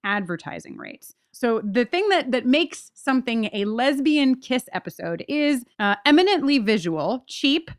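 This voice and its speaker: A woman podcast host giving conversational commentary on television, expressive and emphatic, with casual asides. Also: a little high, measured pace, few pauses, no echo, studio quality.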